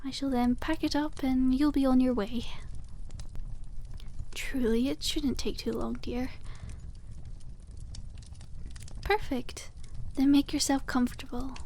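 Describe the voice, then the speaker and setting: A woman voicing a cute, kindly witch shopkeeper in an ASMR roleplay, speaking softly and teasingly with old-fashioned courtesy. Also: sits high, fairly even intonation, unhurried, slight background noise. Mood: teasing, gently instructive. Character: cute, coy, kindly witch selling dragon eggs. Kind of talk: ASMR roleplay, scripted and addressed to listener.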